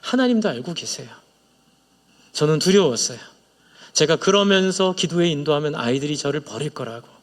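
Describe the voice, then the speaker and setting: A man's voice: on the high side, lively intonation, a little fast, long reverb tail. A male pastor preaching a sermon in a church, earnestly sharing personal confessions and leading the congregation in prayer. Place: church sanctuary.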